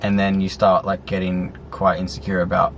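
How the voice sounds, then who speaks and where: A man's voice: sits low, monotone, moderate pace, a little hiss or hum. A young man chatting casually with a friend, candid and rambling, swearing freely. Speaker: guest best friend. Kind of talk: casual chat.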